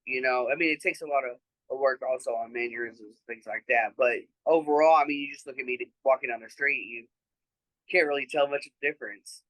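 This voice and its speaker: A man's voice: mid-range voice, brisk, a bit bright, dry recording, low-quality recording. A trans man speaking earnestly and reflectively as an interview guest, with frequent fillers. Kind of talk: casual conversational interview.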